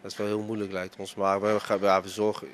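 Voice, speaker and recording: This news interview finds a restaurant owner in his thirties in his dining room, speaking hesitantly with many fillers into a handheld reporter mic. His voice is on the low side yet fairly bright in tone, a little fast and completely flat, with a little hiss or hum behind it.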